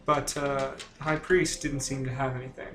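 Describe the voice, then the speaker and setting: A man's voice: medium pitch, flat delivery, moderate pace, sharp tone, slight background noise. A man asking questions in character as a player in a tabletop role-playing game. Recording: echoey room, background voices.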